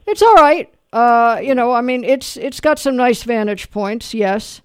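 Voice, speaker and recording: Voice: mid-range voice, expressive, unhurried, clear, resonant tone, no echo, studio quality. A radio host in casual talk, rambling and self-deprecating with lots of fillers. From Canada.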